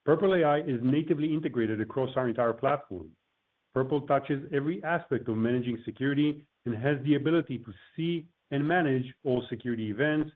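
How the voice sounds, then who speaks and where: Man on a tinny conference call line. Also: medium pitch. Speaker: company executive presenting on an earnings call. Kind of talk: prepared corporate remarks, read from a script.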